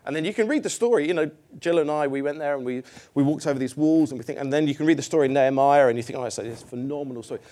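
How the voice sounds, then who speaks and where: A man's voice: on the high side, racing, dark tone. A middle-aged man preaching a sermon in a church, conversational and self-deprecating, putting questions to the congregation.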